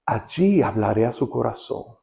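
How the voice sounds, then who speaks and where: A man with a Cuban accent preaching a sermon, shifting between soft quoted passages and emphatic rising questions. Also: medium pitch, sing-song, normal speed, vocal fry, lo-fi sound. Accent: Cuban Spanish. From Cuba. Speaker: pastor.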